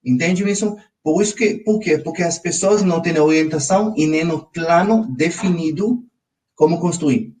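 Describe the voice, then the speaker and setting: A man's voice: on the high side, normal speed, distant mic. A man from Israel with an Israeli accent, a Hebrew native speaker, leading a live online finance class and prompting his viewers again and again. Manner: energetic, audience-prompting with frequent ok?. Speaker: financial coach.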